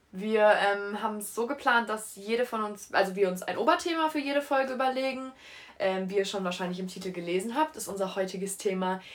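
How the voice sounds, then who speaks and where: A woman talks at a fairly quick pace with medium pitch and lively intonation, over noticeable background noise. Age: young. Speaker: podcast co-host. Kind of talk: casual chat; storytelling.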